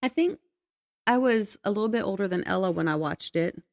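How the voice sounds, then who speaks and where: A woman's voice: mid-range voice, lively intonation, a little fast, no echo. Dry, close-sounding woman in her forties. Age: 40s. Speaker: book podcast co-host. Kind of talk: casual chat.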